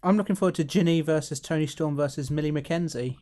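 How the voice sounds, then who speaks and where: Man, co-host, fairly high voice, dry wisecracks. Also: fast talker, mellow. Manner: dry, jokey. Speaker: podcast co-host. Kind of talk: casual chat.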